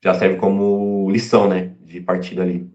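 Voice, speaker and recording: A man giving casual pre-match football talk, halting, full of fillers and restarts. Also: low voice, little pitch movement, darkish tone. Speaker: fan channel pundit. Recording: echoey room, dull lo-fi sound.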